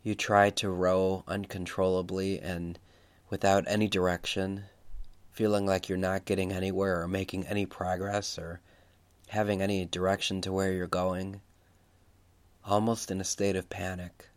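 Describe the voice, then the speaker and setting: Deep-voiced man leading a guided Christian meditation. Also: little pitch movement. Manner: unhurried, reflective, repeating phrases for emphasis.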